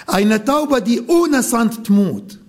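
A man preaching a sermon in halting German with an Arabic accent, pausing often as he searches for words. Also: very high voice, animated. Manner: slow, halting non-native German with frequent pauses.

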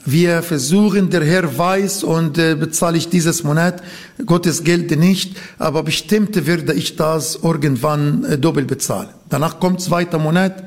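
High-voiced man preaching slowly. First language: Arabic. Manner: earnest, repeats key phrases, non-native grammar. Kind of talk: sermon.

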